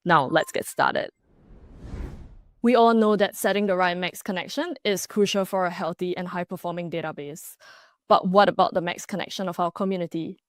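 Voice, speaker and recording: A woman's voice: on the low side, steady tone, normal speed, no room sound, studio quality. A woman from Singapore in her thirties presenting a prepared conference talk with enthusiasm, with a few small restarts. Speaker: conference speaker.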